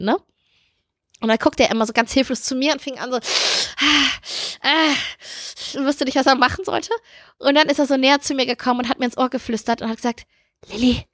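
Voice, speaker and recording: A woman's voice: on the high side, no echo, clean studio sound. A woman co-hosting a podcast, telling a funny anecdote in casual chat, giggly and self-mocking. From Turkish heritage. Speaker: podcast co-host.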